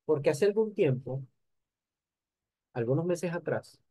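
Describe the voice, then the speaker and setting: An older man giving an animated motivational lecture, speaking straight to his audience. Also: a little high, a little slow, no room sound, dull audio. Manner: animated, addresses the audience directly. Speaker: conference speaker.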